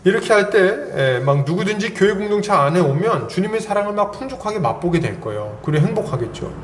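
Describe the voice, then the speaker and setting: A male pastor preaching an expository sermon, animated and acting out little dialogues. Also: high-pitched, quick pace. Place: church sanctuary. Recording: echoey church hall.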